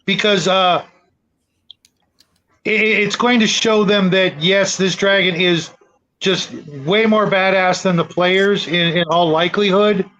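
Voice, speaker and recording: A man's voice: sits high, fairly even intonation, takes it slowly, fairly bright tone. A man hosting a casual gaming discussion, hesitant and thoughtful, over a dull lo-fi connection. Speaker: tabletop gaming talk show host.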